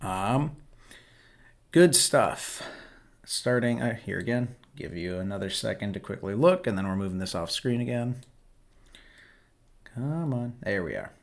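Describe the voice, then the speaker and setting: A man with a somewhat low voice that sounds hoarse and worn out, as if strained from shouting. He talks in a relaxed, explanatory way, coaching the listener while he reviews game footage. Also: unhurried, pauses often. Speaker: host. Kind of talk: casual commentary over gameplay footage.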